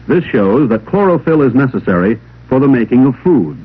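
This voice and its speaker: A male narrator of medium pitch reads a 1950s classroom science film in a didactic way, his voice rising and falling expressively at normal speed with a breathy edge. The scripted instruction comes through an old 16mm soundtrack with a narrow, telephone-like band.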